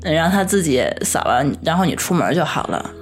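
Animated woman with a Beijing accent. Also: sits low, moderate pace. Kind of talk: casual chat. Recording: music bed behind the talk.

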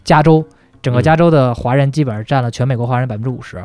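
Male podcast guest, rapid chatty storyteller, dry close sound. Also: mid-range voice, a little mellow, clean tone, dry recording. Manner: chatty, storytelling with English phrases mixed in. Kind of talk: casual chat.

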